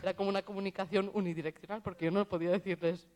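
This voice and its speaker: A woman's voice: medium pitch, fairly even intonation, rapid-fire, warm tone. A woman chats on a festival stage panel about her work running social media. She talks easily and tells anecdotes, slipping into the voices of the people she quotes. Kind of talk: casual panel conversation.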